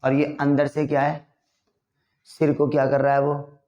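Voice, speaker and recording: A man's voice: on the high side, monotone, unhurried, warm tone, highs cut off. A man teaching an English vocabulary lesson to a class, drilling words by repeating them and checking in with his students.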